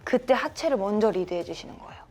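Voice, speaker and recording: A woman's voice: medium pitch, animated, fast talker, darkish tone. A woman golf instructor coaching a student through swings, encouraging them and calling out sound cues like "bang" on each hit. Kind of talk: hands-on golf lesson coaching.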